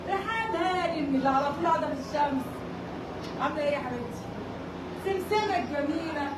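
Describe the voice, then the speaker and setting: A woman's voice: sits high, lively intonation, quick pace, reverberant, recorded from a distance, heavy background noise. An Egyptian woman vlogging casually, chatting playfully and cooing greetings to her animals outdoors. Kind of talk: casual vlog chat.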